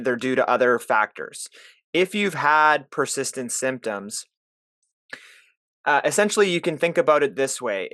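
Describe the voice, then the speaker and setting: A man's voice: a little high, a bit bright, no echo, studio quality. A middle-aged man, a podcast host and clinician, coaching callers on a live Q&A call with plain explanations and examples.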